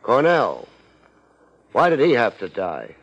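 An actor playing a laid-back, wry private investigator in a 1950s radio drama, deadpan and wisecracking. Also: male voice, medium pitch, slow, breathy edge, exaggerated voice. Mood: dry, conclusive. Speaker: lead actor, narrating and playing the detective. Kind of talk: 1950s radio detective acting. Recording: muffled 1950s radio transcription.

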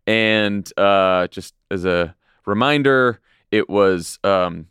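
A male podcast host with a low, smooth voice talks casually with his guests. He sounds relaxed and conversational. The recording is dry and close. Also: slow, dry recording. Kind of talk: casual interview chat.

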